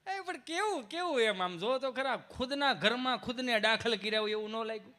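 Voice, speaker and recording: A man telling folk comedy stories, muttering the villagers' lines low and then rising into loud devotional preaching. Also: lively intonation, fairly quick. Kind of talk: Gujarati folk stand-up storytelling.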